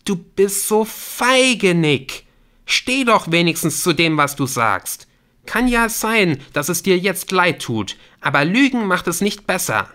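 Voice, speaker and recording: Audiobook role: wounded young girlfriend, played by a male narrator, raised pitch, forceful, snappy and accusing. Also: expressive, measured pace, exaggerated voice. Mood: bitter, accusing. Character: hurt, angry, biting young woman, the girlfriend.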